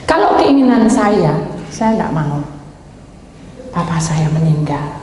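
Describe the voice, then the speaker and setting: A middle-aged woman pastor preaches in a conversational yet emphatic manner. Her voice sits at an ordinary pitch and rings through a large, echoey church hall with a long tail of reverb. A faint hum of room ambience lies underneath. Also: very animated, takes it slowly, a little mellow. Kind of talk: sermon.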